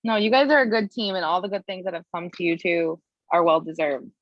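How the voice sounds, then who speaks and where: A woman's voice: on the low side, fairly even intonation, a little fast, no echo. A woman chatting casually on a dry, muffled online call after a read-through. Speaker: table read participant. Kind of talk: casual chat.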